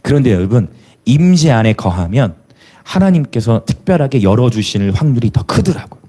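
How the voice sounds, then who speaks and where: Lively pastor. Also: male voice, mid-range voice, moderate pace. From Jeolla, South Korea. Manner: lively preaching with rhetorical questions and hallelujahs; chuckles between remarks. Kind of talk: sermon.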